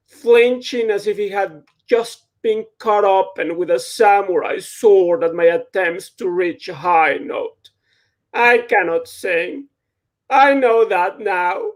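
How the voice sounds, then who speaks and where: A young man with a strong Mexican accent reads aloud from his novel over a webcam in a room lined with books. He reads slowly and deliberately, in a casual, self-deprecating manner. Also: sits high. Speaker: author reading his novel. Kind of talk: reading fiction aloud. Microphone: video call webcam.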